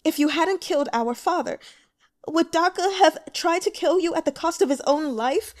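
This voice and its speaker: A woman's voice: extremely high pitch, normal speed, pitched above the performer's own voice. A woman voicing a grieving, furious young woman in an audiobook, with accusing outbursts demanding vengeance. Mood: anguished fury.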